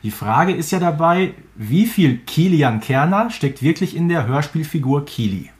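A man with a fairly high voice speaks as a podcast co-host. He puts his questions and comments in an informal, conversational interview style. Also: expressive, measured pace, a little mellow.

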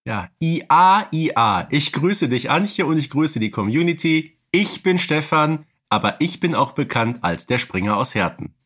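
A man's voice: a little high, very animated, moderate pace, hardly any pauses, fairly bright tone. A man chatting as a podcast co-host in a casual, humorous style.

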